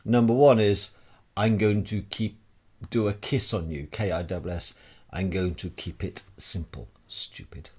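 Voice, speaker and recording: A man delivering a rambling monologue straight to the listener in a wry, theatrical manner with deliberate dramatic pauses. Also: on the low side, fairly even intonation, dark tone, breathy edge. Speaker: speaker sharing personal views.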